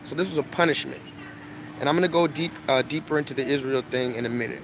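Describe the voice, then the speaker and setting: A man's voice: mid-range voice, quick pace. A young man lecturing emphatically to his online audience on a phone, repeating his points. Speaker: online video host. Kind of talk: preachy casual monologue. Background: street noise, crying children.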